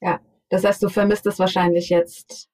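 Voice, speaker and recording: A woman's voice: lowish voice, level tone, normal speed, darkish tone. A woman hosting a podcast interview, asking short questions and giving brief affirming murmurs. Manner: attentive, brief affirming backchannels. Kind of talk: casual interview.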